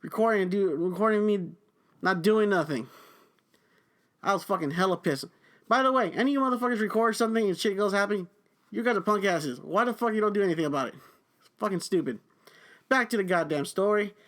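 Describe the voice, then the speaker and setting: High-voiced man ranting with heavy swearing. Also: fairly quick, long pauses, a bit bright. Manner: heavy swearing, angry venting. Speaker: podcast host. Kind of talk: profane ranting monologue.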